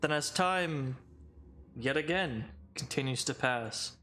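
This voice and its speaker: A man running a tabletop game as game master, narrating scenes in a measured, descriptive way. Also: on the high side, pushed and bright, slight background noise.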